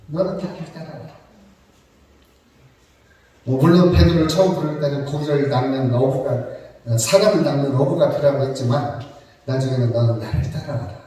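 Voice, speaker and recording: A man's voice: a little high, a little mellow, slight background noise. A man preaching a sermon, talking to the congregation conversationally with joking asides and rhetorical questions. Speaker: pastor. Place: church sanctuary. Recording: echoey church hall from far off.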